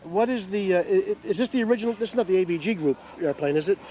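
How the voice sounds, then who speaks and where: A man interviewing outdoors at a model airplane competition, putting his questions haltingly and step by step. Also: high-pitched, expressive, warm tone. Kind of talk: on-site field interview. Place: outdoors at a flying field. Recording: muffled, noisy outdoor field recording.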